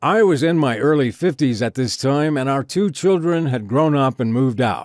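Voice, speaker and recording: Fairly high-pitched, a man speaks in an ordinary speaking voice with lively intonation at a moderate pace. The recording is very clean, with a silent background. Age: 60s. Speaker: pitchman for a diet program. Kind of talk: sales pitch.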